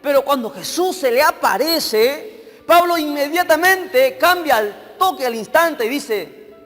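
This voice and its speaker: A man's voice: extremely high pitch, expressive, measured pace, fairly bright tone. A man preaching a sermon as an evangelist, who keeps putting questions to his congregation and checking that they follow. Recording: long hall reverb with faint music.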